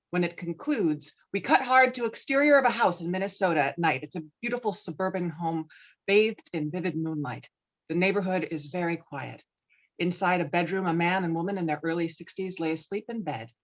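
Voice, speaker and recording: A woman's voice: on the low side, lo-fi sound. A woman reading screenplay stage directions as narrator at a table read.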